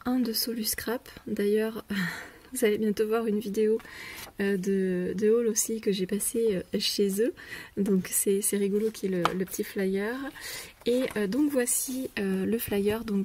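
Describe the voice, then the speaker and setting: Hesitant woman with a mellow voice. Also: medium pitch, husky. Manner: hesitant, many pauses and fillers; drops to a whisper when showing items. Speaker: scrapbooking vlogger. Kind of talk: casual product haul.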